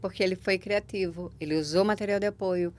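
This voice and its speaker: A woman's voice: mid-range voice, fairly even intonation, fairly quick. A woman with a Brazilian Portuguese accent hosting a podcast interview, speaking emphatically and encouragingly, often checking in with the listener. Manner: emphatic, encouraging, tag questions. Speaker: podcast host. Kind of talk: conversational interview.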